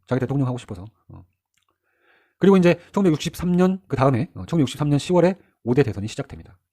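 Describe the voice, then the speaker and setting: A man's voice: medium pitch, mellow. A middle-aged man giving a casual history lecture with a sore throat, chatty and full of rhetorical questions. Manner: chatty, asks the listener rhetorical questions, acts out quoted figures.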